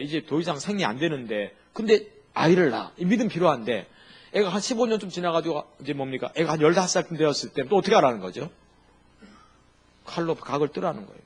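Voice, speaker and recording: A male pastor preaching a sermon in an animated, humorous way, full of rhetorical questions. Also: on the high side, husky.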